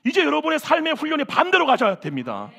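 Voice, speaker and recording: A man preaching a sermon as senior pastor at a church service, animated and exclamatory, with self-mocking asides. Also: very high voice, quick pace, gravelly.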